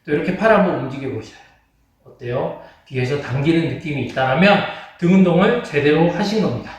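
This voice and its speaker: Male home-workout instructor, fairly high voice, courteous and encouraging explanations, distant roomy sound. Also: a little fast, crowd noise. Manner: polite, encouraging, checks in with followers. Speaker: home training fitness instructor. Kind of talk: exercise class instruction, explaining to viewers. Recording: very echoey room, distant from mic.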